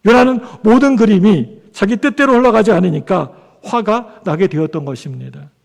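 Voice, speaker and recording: High-voiced pastor preaching in a reverberant church. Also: male voice, expressive, moderate pace, gravelly. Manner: conversational preaching, calls for amens. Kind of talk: sermon. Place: church sanctuary. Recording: long church hall reverb.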